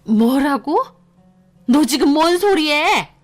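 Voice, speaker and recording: A woman voicing an angry older mother-in-law on the phone, shrill and barely holding her temper. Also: very animated, moderate pace, fairly bright tone, soft background music, heavily acted. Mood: shrieking outrage.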